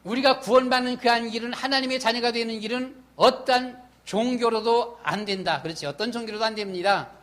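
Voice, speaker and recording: A middle-aged male pastor delivering an emphatic sermon in a church sanctuary. He speaks in a notably high, very bright voice, asks rhetorical questions, and acts out his own past thoughts and inner voice as quotes. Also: fairly quick, hardly any pauses.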